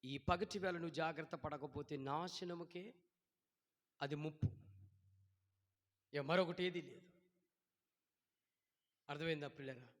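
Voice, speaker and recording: A pastor preaching a sermon, who keeps asking his congregation questions and shouts at times. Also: fairly high pitch, fairly even intonation, a little slow, pauses often, long reverb tail.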